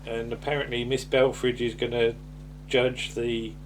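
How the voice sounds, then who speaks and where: A man's voice: mid-range voice, flat delivery, unhurried, slight background noise, low-quality recording. A man chatting casually as he reviews an episode, hesitant and rambling, often ending on tag questions. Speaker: podcast host.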